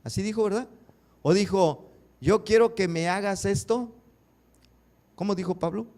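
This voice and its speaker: Pastor, male, higher voice, sermon delivery with rhetorical questions to the congregation. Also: normal speed, a little mellow. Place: church.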